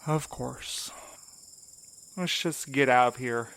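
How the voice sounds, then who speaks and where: An actor playing a blunt, impatient courier who talks curtly and casually in an audio drama. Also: male voice, mid-range voice, slow, creaky, fairly bright tone. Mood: shaken, weary. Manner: casual, curt talk. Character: blunt, impatient, sweary male courier under strain.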